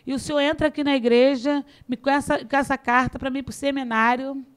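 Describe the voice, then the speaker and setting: A middle-aged woman pastor telling her testimony in a podcast interview, lively and acting out the dialogue, often laughing. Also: high-pitched, fairly quick. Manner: animated storytelling, acts out dialogue, laughs often.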